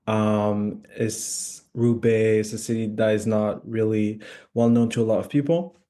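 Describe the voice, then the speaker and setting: Hesitant young man from France, mellow voice. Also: lowish voice, fairly even intonation, a little slow. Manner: hesitant, many fillers, searching for words. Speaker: guest, former student. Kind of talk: casual interview answers.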